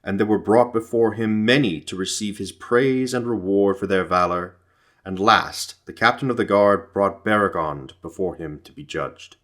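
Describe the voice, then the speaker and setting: A man narrating an epic fantasy audiobook in a formal, measured storytelling manner. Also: on the low side, a bit bright.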